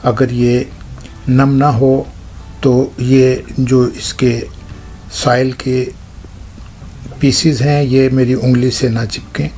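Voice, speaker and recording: Slow, flat-voiced man explaining plant care. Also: mid-range voice, a little hiss or hum. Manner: halting, explains in short phrases; shows things hands-on while talking. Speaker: gardening channel host.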